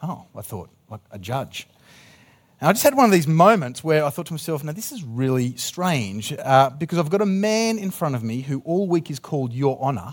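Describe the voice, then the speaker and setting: Man with an Australian accent, fairly high-pitched, moderate in pace, with very wide pitch swings on a very clean recording with a silent background. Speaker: pastor. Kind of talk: sermon. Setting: church.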